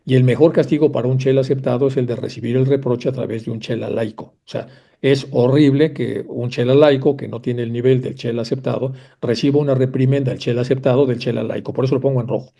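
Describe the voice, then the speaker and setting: A man with a very dark, mellow voice gives a lecture, reading old passages aloud and then stepping aside to explain them in plain, conversational asides. He speaks straight to his listeners, with the odd filler as he thinks. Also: medium pitch, fairly even intonation, quick pace, creaky. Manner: addresses listeners directly, with fillers. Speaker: lecturer on theosophy.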